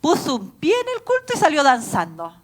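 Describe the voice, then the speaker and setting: High-voiced Chilean woman pastor preaching. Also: wildly swooping pitch, brisk. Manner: earnest storytelling, laughing at herself. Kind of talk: sermon. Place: church.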